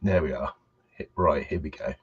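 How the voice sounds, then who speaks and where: A man's voice: rumbling low, moderate pace, slightly rough. A man hosting a livestream, chatting casually and hesitantly, often half to himself. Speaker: livestream host. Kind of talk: casual unscripted livestream chat. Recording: dull, muffled livestream audio.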